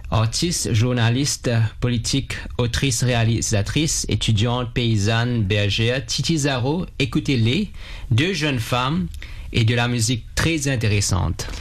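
A man radio host announcing the station and introducing a song in a steady reading manner. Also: medium pitch, unhurried.

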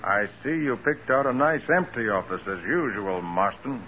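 An actor playing a cool, tough private detective, wry and composed, in a 1940s radio crime drama. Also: male voice, medium pitch, lively intonation, normal speed, soft background music, close to an everyday voice. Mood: cool, defiant. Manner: wry, composed, matter-of-fact. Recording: muffled, hissy 1940s radio recording.

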